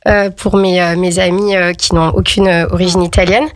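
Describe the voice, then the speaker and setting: A woman's voice: lowish voice, level tone, moderate pace, no room sound. A woman organizing an event, speaking as a guest in a radio studio interview, hesitant with many fillers.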